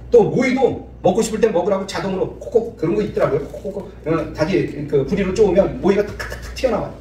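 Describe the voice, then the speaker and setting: High-voiced Korean pastor in an echoey sanctuary. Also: male voice, warm tone. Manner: folksy storytelling, acts out dialogue, repeats phrases. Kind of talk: sermon with storytelling. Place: church sanctuary. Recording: echoey hall from far off, faint noise.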